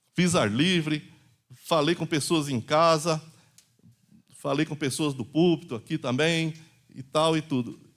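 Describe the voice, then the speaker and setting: A man speaks at a fairly slow pace with a fairly high pitch and fairly even intonation, leaving long, frequent pauses. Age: 60s. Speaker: pastor. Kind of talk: Bible class lecture. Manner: emphatic.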